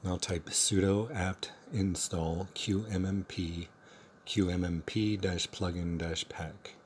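A man narrating a step-by-step software tutorial in a plain, instructional manner. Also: low-pitched, steady tone, takes it slowly, a little hiss or hum. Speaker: tutorial presenter.

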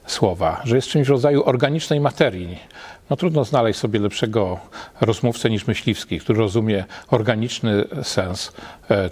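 A middle-aged man, a literary scholar, reflecting at a measured pace and often pausing with hesitations between phrases, recorded with a lapel mic in an empty lecture hall. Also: medium pitch, darkish tone. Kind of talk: reflective spoken commentary.

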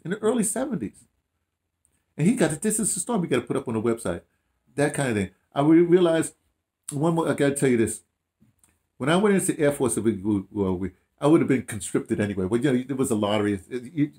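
A man in his late sixties or so, chatting casually about his life as an animated storyteller who often repeats phrases and quotes himself. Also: mid-range voice. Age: 60s or 70s. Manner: animated storytelling with frequent repetition and self-quoting. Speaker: audio dramatist telling his life story. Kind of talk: casual reminiscing chat. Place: small room at home, indoors.

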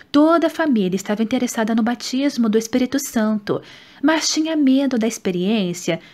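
A woman with a Brazilian Portuguese accent, reading a nonfiction book aloud in a steady, measured way. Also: on the high side. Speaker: audiobook reader. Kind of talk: scripted audiobook narration.

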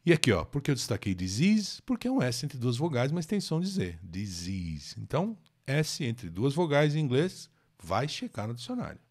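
A Brazilian man teaching English in a live lesson, talking to viewers by name and repeating words for pronunciation. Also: a little high. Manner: animated, explains slowly and repeats words for pronunciation; reads English passages slowly and deliberately. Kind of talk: live-stream language lesson.

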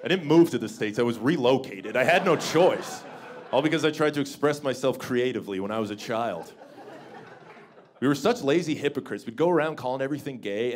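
A man in his thirties from Canada, with a deep voice, doing a stand-up set into a handheld mic in a small comedy club. He talks in a wry, self-mocking way and breaks into bursts of mock bluster. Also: a little hiss or hum. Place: small comedy club stage with a seated audience. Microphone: handheld stage microphone.

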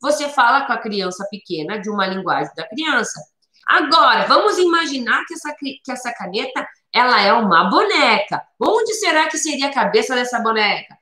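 Woman, fairly high pitch, bright voice, explaining teaching methods, echoey room. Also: big pitch swings, normal speed. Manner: explanatory, repeats points with many "né?" tags. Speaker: Pilates instructor teaching other teachers. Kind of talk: instructional talk.

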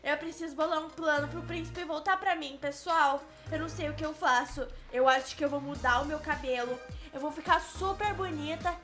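A woman's voice: sits high, brisk, hardly any pauses, a bit bright, soft background music. A woman with a Brazilian Portuguese accent giving dramatic, playful role-play commentary over a game to her viewers. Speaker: gaming youtuber.

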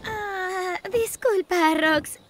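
Sweet little girl vet in a cartoon, super high, caring and cheerful, slow, music behind. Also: exaggerated voice. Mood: reassuring. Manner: reassuring, clear explaining. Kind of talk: children's cartoon dub. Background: children's music.

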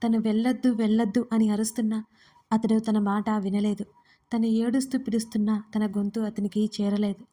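Woman storyteller, romance narration, steady reading, flat delivery, medium pitch. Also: normal speed.

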